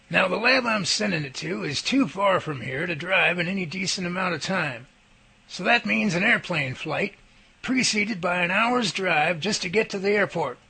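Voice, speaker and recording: A man playing a businesslike research team leader with a raspy, gravelly voice, briefing deliberately in an audio drama. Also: sits high, pushed and bright, heavily acted.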